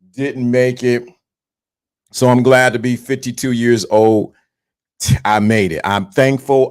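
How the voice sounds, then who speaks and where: A man in his fifties hosting a live stream, giving a motivational talk to his viewers and repeating his key points. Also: mid-range voice. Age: 50s. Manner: repetitive, preachy, addresses viewers directly. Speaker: livestream host.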